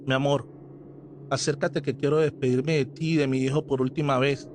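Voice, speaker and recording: A man voicing the spirit of a dead father speaking through a medium in a horror story, earnest and gentle. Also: medium pitch, little pitch movement, moderate pace, slight background noise, natural voice.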